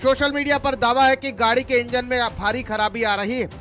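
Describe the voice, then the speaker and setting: A male news anchor reading a loud, sensational voice-over report. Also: extremely high pitch, steady tone, brisk, soft background music.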